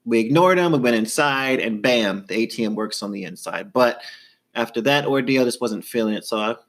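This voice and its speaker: A man's voice: mid-range voice, expressive, fairly bright tone. Laid-back man in his thirties, chatty. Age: 30s. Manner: playful, drawn-out storytelling with frequent ums. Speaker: podcast co-host. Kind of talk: casual chat.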